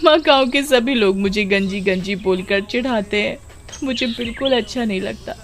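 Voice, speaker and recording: एक औरत बच्चों की कहानी में गांव की एक भोली जवान लड़की की आवाज़ कर रही है, जो भावुक होकर बोलती है और डरने पर हकलाती है।. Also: female voice, fairly high pitch, moderate pace, pitched above the performer's own voice, natural voice. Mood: tearful. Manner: tearful, stammering when scared. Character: sad young village girl teased for her hair. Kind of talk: children's storybook voice acting.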